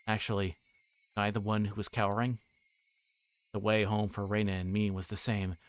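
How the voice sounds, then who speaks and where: Low-voiced man narrating a story. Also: level tone, moderate pace. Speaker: livestreamer reading a visual novel. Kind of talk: dramatic first-person story narration.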